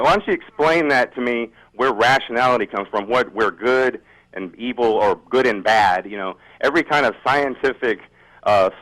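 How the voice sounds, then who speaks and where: A man's voice: on the low side, a bit bright, poor audio. A man speaking as a radio show caller in an unscripted debate, hesitant and often repeating himself, as if on a phone-in.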